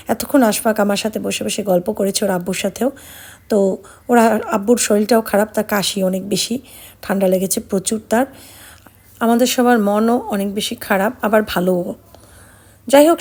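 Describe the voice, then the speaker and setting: A middle-aged woman from Bangladesh narrating her vlog in a soft, subdued, reflective way, sounding sad and tired. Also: mid-range voice. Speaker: vlogger.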